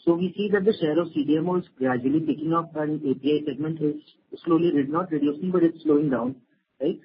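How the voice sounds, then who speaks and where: Male analyst, higher pitch, methodical questions, phone hiss. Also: quick pace. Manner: structured questions, ends with "right?". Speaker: investment analyst caller. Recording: phone-line call audio with faint noise.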